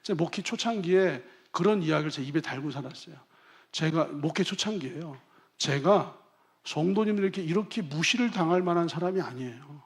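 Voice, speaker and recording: Man, high voice, preaching, emphatic, soft-to-loud swings, pastor. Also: lively intonation, brisk. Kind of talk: sermon.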